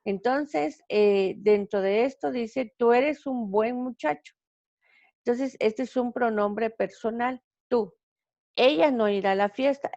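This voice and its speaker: A woman teacher talks through grammar slides in a slow, deliberate lecture, stopping often for fillers and corrections. Her fairly high voice carries a gravelly fry. The sound is dry and dull, like a lo-fi home recording. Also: a little mellow, dry recording. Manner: slow, halting delivery with frequent fillers and self-corrections.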